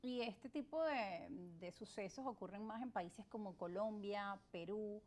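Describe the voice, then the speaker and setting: A mid-pitched woman hosts an interview in a conversational way. She sets up topics for her guest and backs her up with brief listening replies. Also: a little slow, darkish tone. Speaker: interview host.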